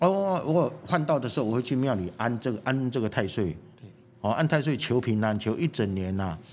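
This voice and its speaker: At a moderate pace, a man talks with very wide pitch swings on a very clean recording with a silent background. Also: medium pitch for a man. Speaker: Taoist priest. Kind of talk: interview, explaining customs and telling old stories. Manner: halting, many filler sounds.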